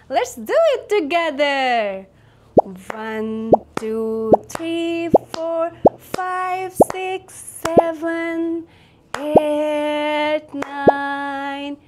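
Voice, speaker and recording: A young woman presenting a children's educational lesson in a bright, sing-song, exaggerated cheerful manner, like an educational toy. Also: high-pitched, background noise. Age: young adult. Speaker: children's counting lesson host.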